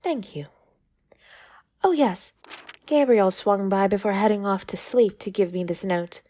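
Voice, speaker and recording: A woman's voice: mid-range voice, unhurried, dark tone, no room sound, close to an everyday voice. A woman playing an exasperated, no-nonsense healing angel in an audio drama, assured and a little sardonic. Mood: assured, wry. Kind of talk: dramatic audio roleplay acting.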